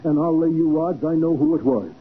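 An actor playing a blunt, slangy, skeptical police sergeant in a 1940s radio crime drama. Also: male voice, on the high side, fairly quick, husky. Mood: excited, cocksure. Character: gruff, slangy, skeptical male police sergeant, loyal sidekick. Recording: noisy, narrow-band 1940s radio recording.

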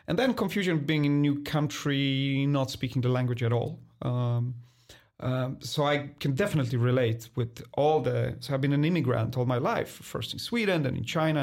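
A man in his forties who grew up in Poland and speaks English as a second language, answering interview questions in a thoughtful, halting way with many restarts. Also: medium pitch, darkish tone. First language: Polish. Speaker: guest, designer.

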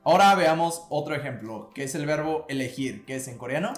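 A man's voice: on the high side, lively intonation, fairly quick, echoey room, soft background music. A man co-hosting a podcast lesson, explaining grammar patiently and prompting his co-host with questions. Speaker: podcast co-host, Korean teacher. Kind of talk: casual language lesson.

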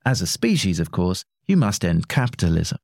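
A man reading a calm, matter-of-fact AI. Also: sits low, normal speed, creaky, dry recording, studio quality, full character voice. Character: calm AI system issuing policy demands.

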